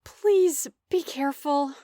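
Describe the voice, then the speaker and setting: A woman's voice: high-pitched, slow pace, heavy background noise. An actress playing a devoted, remorseful woman in an audio drama, speaking earnestly and somewhat formally. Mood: worried. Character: remorseful, devoted young woman pleading for forgiveness.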